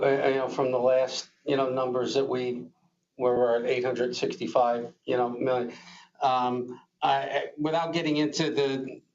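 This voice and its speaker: A man speaking as a company executive, giving halting, unscripted answers on an earnings call over a dull conference line. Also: mid-range voice. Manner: halting, frequent "you know".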